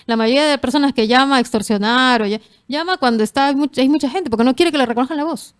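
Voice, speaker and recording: A woman, a forensic linguist guest, explaining in a measured way with examples. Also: high voice, clean tone. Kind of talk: explanatory interview answers.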